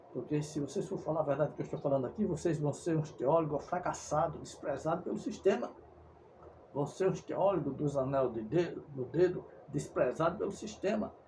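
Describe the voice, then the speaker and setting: A Brazilian man preaches as an evangelical minister, fervent, insistent and repetitive, with occasional stumbles and a Brazilian Portuguese accent. His fairly high voice is warm, with a little hiss or hum in the recording.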